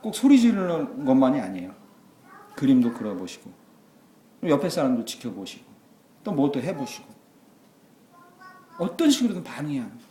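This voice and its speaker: A man preaching a sermon as pastor, moving between quiet asides and loud exclamations. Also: mid-range voice, very animated, moderate pace, pauses often, a little hiss or hum. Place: church sanctuary. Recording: echoey church hall.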